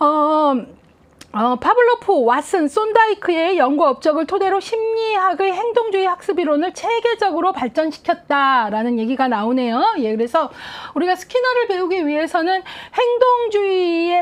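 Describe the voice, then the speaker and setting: At a moderate pace, a woman speaks with an extremely high pitch and very wide pitch swings. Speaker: exam prep lecturer. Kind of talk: lecture.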